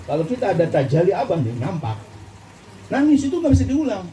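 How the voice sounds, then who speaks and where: Man preaching a lively sermon with a lilt. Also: a little fast, crowd noise. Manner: lively, asks the audience questions, swings between low and high pitch. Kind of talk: Sufi religious sermon. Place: gathering in a hall. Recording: echoey room, voice from far off.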